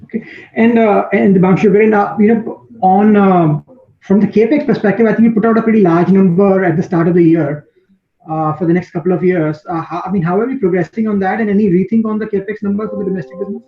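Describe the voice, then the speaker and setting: A man's voice: sits high, fairly even intonation, quick pace. A man with an Indian accent asking questions as an analyst on a conference call, hesitant and searching for words. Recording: dull, roomy conference call line.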